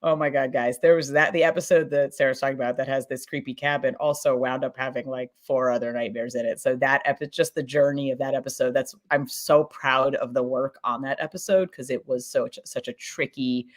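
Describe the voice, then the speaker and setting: A woman's voice: a bass voice, brisk, few pauses. Effusive woman in casual panel talk. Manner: effusive, excitable, informal. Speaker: scripted podcast producer.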